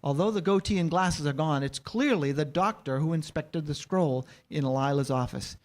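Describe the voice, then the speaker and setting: A man reads scripted scene directions as the narrator of a staged reading. His voice is a little high for a man. He describes the action in the present tense. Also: moderate pace.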